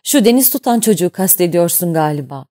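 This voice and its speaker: A woman's voice: on the low side, expressive, fast talker, dark tone, natural voice. A woman voicing a harsh, domineering male ship captain who barks and scorns in an audiobook. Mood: mocking, cold. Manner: barking, scornful.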